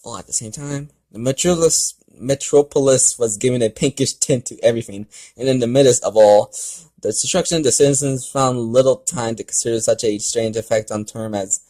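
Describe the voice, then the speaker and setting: A man doing an amateur read-aloud of a story with casual side comments, in a halting way that stumbles over words. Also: mid-range voice, warm tone, poor audio. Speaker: fan fiction reader and commentator.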